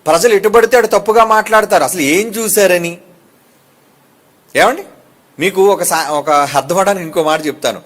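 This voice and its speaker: A male pastor delivers a sermon in a notably high voice. He preaches emphatically, firing rhetorical questions at the congregation and breaking in with quick asides to keep them with him. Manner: emphatic and animated.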